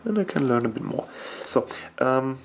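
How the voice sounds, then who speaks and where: A young man with a German accent, a native German speaker, talking casually and hesitantly while he paints miniatures at his desk, often pausing to search for words. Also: medium pitch, animated, creaky, breathy edge. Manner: slow, hesitant, searching for words with many ums.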